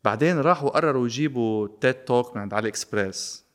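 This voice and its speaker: Fast-talking sarcastic Lebanese man. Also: mid-range voice. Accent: Lebanese Arabic. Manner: animated, sarcastic, mixing in English phrases. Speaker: guest commentator. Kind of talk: casual political discussion.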